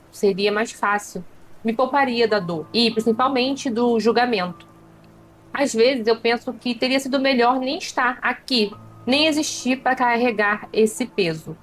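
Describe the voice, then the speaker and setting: A Brazilian woman narrates a personal story in a fairly high voice. She hosts in a conversational manner, pausing briefly as she goes. There is some light noise in the recording. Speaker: host and narrator of a story channel. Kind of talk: reading a listener's confessional account aloud.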